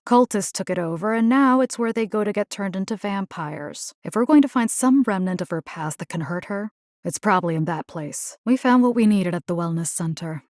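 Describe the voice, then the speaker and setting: A woman's voice: medium pitch, darkish tone, no room sound, natural voice. A tough young Latina military engineer from a video game, acted by a woman, speaks. She is wry and casual, full of slang. The sound is close and dry. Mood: focused, serious. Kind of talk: video game character voice lines.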